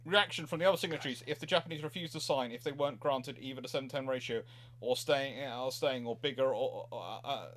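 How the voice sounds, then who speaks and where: A man's voice: mid-range voice, fast, fairly bright tone. A man hosting a casual live history question session, rambling and often repeating himself as he goes. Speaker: naval history livestream host.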